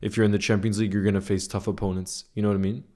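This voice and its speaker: Speaking very fast in a level, darkish tone, a man with a fairly low voice hosts a football fan livestream. He reads viewers' comments and responds to them directly in a casual way, often repeating a phrase to hammer it home.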